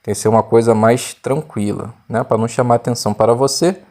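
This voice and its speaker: A man's voice: medium pitch, steady tone, fairly quick, darkish tone. A man with a Brazilian Portuguese accent teaching a Bible reading lesson, explaining plainly and often adding "né" as he talks. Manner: plain explaining tone with frequent "né" tags, raising voice for quoted speech.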